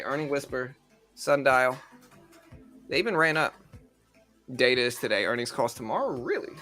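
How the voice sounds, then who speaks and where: A man's voice: mid-range voice, gravelly, sharp tone. A man in his thirties hosting a casual trading livestream, laid-back and rambling, full of slang. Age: 30s. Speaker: livestream host. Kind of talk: casual livestream chat about stocks.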